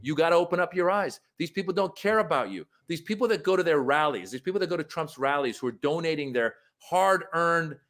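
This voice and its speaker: A man from Iran giving earnest, argumentative political commentary in a played clip, pausing often with uh and um. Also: on the high side, animated, fairly bright tone.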